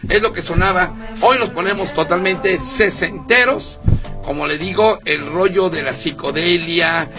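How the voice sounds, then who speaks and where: A man's voice: sits high, measured pace, over music. A man with a Mexican accent hosting a radio show, talking in a chatty, joking way. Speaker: radio host. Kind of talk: casual radio banter.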